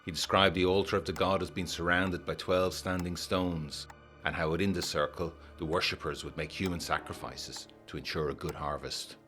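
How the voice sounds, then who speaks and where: Deep-voiced man reading a letter. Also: fairly even intonation, fairly bright tone, soft background music. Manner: measured, formal period storytelling. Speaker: letter-writing narrator. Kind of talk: scripted narration of a letter.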